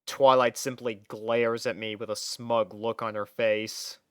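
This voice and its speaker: A man narrating a first-person story from a script in an expressive storytelling manner. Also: medium pitch, unhurried, smooth, no echo, clean studio sound.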